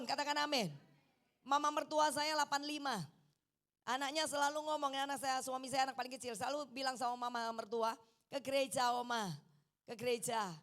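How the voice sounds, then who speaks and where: A middle-aged woman evangelist with an East Javanese accent, preaching a lively sermon and urging the congregation to say amen. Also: high voice. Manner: animated, mixes in Javanese, coaxes the congregation to say amen. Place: church hall.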